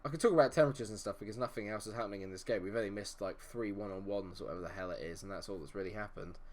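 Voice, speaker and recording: A man's voice: lowish voice, rapid-fire. A man with a slight cold, nasal as he casually commentates on a football management game, exasperated and talking at his players. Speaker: gaming video host.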